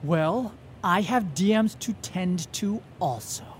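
A man's voice: high voice, expressive, takes it slowly, slight background noise. An actor playing a defensive, sarcastic young Asian American man in a comedic audio drama, evasive and self-justifying. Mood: flippant.

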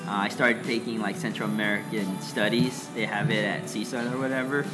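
Young guy from LA rambling through interview answers, lots of "like", slightly low voice, music underneath. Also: flat delivery, moderate pace. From Los Angeles. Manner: hesitant, lots of "like" and "uh". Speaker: interview guest.

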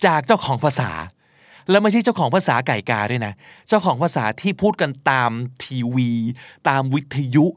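Male talk host, animated delivery, casual and slangy, dry studio sound. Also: a little high, normal speed, no room sound. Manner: lively, conversational, slangy, with emphatic asides. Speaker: podcast host teaching English.

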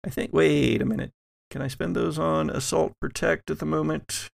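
A man narrating a tabletop horror game as game master, improvising in a deliberate, halting way. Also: on the high side, steady tone, gravelly, dry recording.

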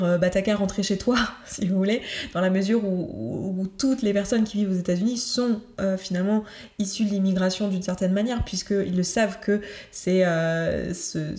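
A woman's voice: mid-range voice, dark tone, echoey room. A woman hosting her own coaching podcast, talking earnestly and hesitantly, with many fillers and restarts. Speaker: podcast host, certified coach. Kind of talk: solo podcast talk.

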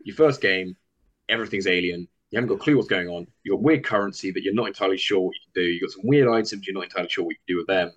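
Lowish guy rambling on a podcast, slips into acting out dialogue, kinda muffled lo-fi sound. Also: rapid-fire. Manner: rambling, acts out quoted dialogue. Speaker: podcast guest. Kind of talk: casual chat. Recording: dull, lo-fi sound.

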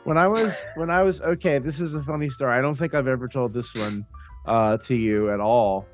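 A man's voice: medium pitch, a little fast, faint music behind. A man co-hosting a podcast in loose, casual chat, swearing freely and joking crudely. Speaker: podcast co-host.

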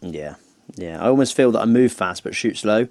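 Brief: man, low mellow voice, dry close sound, easygoing podcast interviewer. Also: animated, no echo. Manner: easygoing, chuckles often, quick agreeing. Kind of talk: casual podcast chat.

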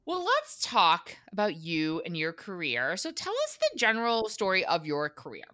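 A bubbly woman host in her thirties or forties, chatting with a guest and laughing often. Her voice is fairly low but bright and very lively, with a dry, close sound. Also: normal speed, dry recording. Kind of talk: casual interview chat.

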